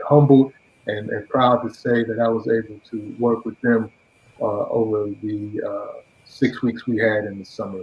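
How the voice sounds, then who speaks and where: A man, the program's director, giving a measured graduation speech with frequent fillers and restarts. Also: medium pitch, a little hiss or hum. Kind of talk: ceremony speech. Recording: dull lo-fi sound.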